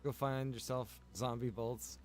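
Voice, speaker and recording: A man's voice: medium pitch, steady tone, a little slow, a little mellow, faint music behind. A man giving casual gameplay commentary, often muttering to himself as he plays. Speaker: streamer playing a survival roleplay game.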